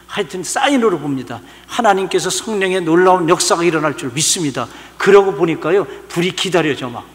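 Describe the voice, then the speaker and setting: A male pastor preaching a sermon, swinging from soft asides to loud emphatic lines. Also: high voice, lively intonation, brisk, slight background noise. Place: large church hall. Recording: church sermon with long hall reverb.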